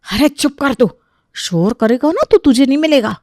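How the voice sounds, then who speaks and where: A woman voicing a bossy elderly grandmother who scolds and hushes her grandson in a storybook tale. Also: high-pitched, expressive, normal speed, no echo, studio quality, pitched above the performer's own voice. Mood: hushing. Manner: bossy, hushing, sharp scolding. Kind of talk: storybook voice acting.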